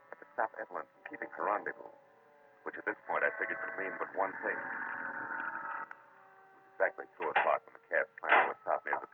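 An American man playing a terse, wry, hard-boiled private detective in 1940s radio crime drama. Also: low-pitched. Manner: terse, wry, tough-talking. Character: hard-boiled male private detective narrating his own case. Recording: muffled, noisy old radio recording.

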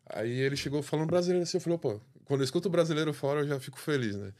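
A man's voice: fairly high pitch, expressive, very fast, darkish tone. A young Brazilian man, a bodybuilder guest on a podcast, telling heartfelt stories in casual slang. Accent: Brazilian Portuguese.

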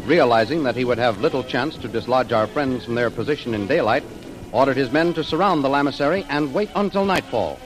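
A man's voice: mid-range voice, rough recording. A man announcing and narrating an old radio serial in a formal, declamatory way. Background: music.

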